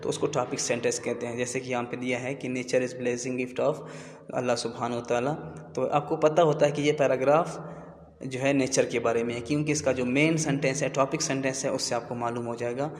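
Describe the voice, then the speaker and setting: A man explaining English grammar terms in a slow, repetitive teaching manner. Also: medium pitch, fairly even intonation. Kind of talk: classroom lesson explanation. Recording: echoey room with long reverb.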